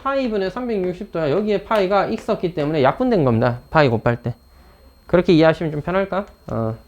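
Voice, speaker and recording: A man's voice: high-pitched, a little mellow. A man teaching a math class, joking and teasing his students as he explains. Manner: teasing, chatty, talks straight to students. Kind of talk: classroom lecture.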